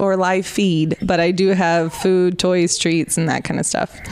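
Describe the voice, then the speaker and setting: With an American accent, a woman talks at a moderate pace and medium pitch amid noticeable background noise. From California. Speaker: pet groomer and small business owner. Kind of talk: radio interview.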